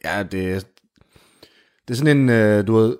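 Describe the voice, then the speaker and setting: Lower-voiced man telling a rambling tale. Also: clean tone. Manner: animated, jumps into character voices, many fillers like "du ved". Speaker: storyteller in a comedy chat. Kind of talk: casual improvised storytelling.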